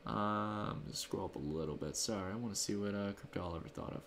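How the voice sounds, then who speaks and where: A man's voice: fairly low pitch, quick pace, a bit bright, slight background noise. A man hosting a livestream from home, casually thanking donors and answering chat in a loose, rambling way. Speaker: livestream host. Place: home room.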